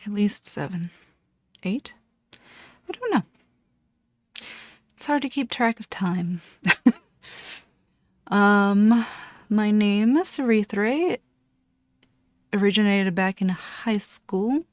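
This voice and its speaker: A woman in her late thirties, originally from Costa Rica with Spanish as her first language, chatting casually and rambling as she introduces her channel from a dark room at home. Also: mid-range voice, animated, slow, pauses often, no echo, studio quality. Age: 30s. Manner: meandering, self-correcting, chatty. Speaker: cross-stitch vlogger.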